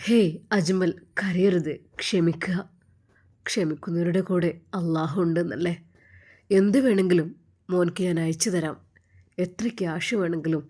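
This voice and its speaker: A devout older Arab woman from a spoken storybook, kind and motherly, as a woman reader puts her on. She pleads in prayer and speaks softly to comfort others. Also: on the low side, steady tone, moderate pace, long pauses, lightly acted.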